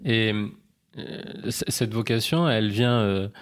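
A man hosts a casual business podcast interview. His voice sits on the low side, and he asks his questions haltingly, restarting and filling pauses as he goes.

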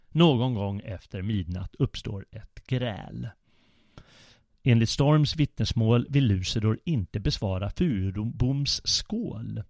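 A man hosts a history podcast, telling the tale in a measured, deliberate voice and slipping into recitations of old verse. His pitch sits in an ordinary middle range. The recording is dry and close, with no room around it. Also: a little mellow, no echo. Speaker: podcast host and guide. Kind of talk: storytelling narration with poetry recitation.

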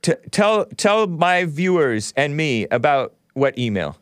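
A man's voice: a little high, sing-song, unhurried, clean tone, no room sound, studio quality. A man in his thirties hosting a call-in talk show, chatting casually and bluntly with slangy phrasing. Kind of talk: casual call-in commentary and caller chat.

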